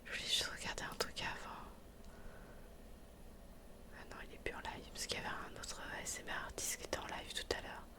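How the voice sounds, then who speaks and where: A woman whispering through a live ASMR stream, chatting to viewers in relaxed asides into a filtered studio microphone at home. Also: fairly quick, long pauses. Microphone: studio microphone with noise filters.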